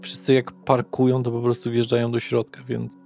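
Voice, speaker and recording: A man's voice: mid-range voice, completely flat delivery, normal speed, gravelly, a little mellow, soft background music. A man narrating a tabletop roleplaying game as its game master.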